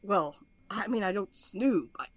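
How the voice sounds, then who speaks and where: Snarky impatient sleuth type, blunt n bossy, audio drama, super dry close sound. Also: female voice, mid-range voice, animated, unhurried, no echo. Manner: blunt, foul-mouthed, bossy. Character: Val, brash, impatient, snarky nonbinary amateur sleuth.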